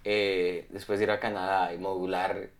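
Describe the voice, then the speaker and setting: A man co-hosting a podcast, asking questions and reflecting in a relaxed, curious way. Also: low voice, unhurried, a loud crowd. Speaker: podcast co-host. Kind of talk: casual chat.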